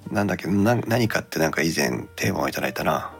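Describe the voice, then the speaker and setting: A man with a low, gravelly voice hosts a casual gadget podcast with music underneath. His intonation moves around a lot as he chats and thinks aloud, turning courteous for the listeners. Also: animated, a little fast. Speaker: podcast host.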